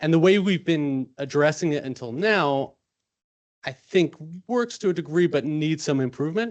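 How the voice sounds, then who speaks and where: With an American accent, a man talks at a moderate pace in a plain, everyday voice, fairly high in pitch with ordinary pitch variation. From United States. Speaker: social psychologist, panel speaker. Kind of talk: panel discussion. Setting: in-person event with audience.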